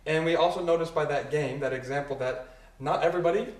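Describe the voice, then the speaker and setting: A man who is a native English speaker, explaining ideas through everyday examples and questions in a casual two-person talk. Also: a little high. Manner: leads with examples, asks questions, quick and animated. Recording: roomy echo, a bit far from the mic.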